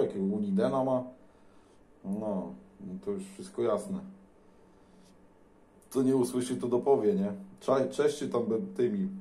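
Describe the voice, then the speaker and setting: A man's voice: mid-range voice, dark tone. A man making casual, teasing and blunt small talk as a CB radio operator, in colloquial language.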